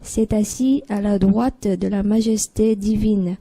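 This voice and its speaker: Female guest, foreign accent, mellow tone, careful hesitant reading. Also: mid-range voice, steady tone, slow. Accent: foreign accent in French. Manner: hesitant, apologetic about her accent.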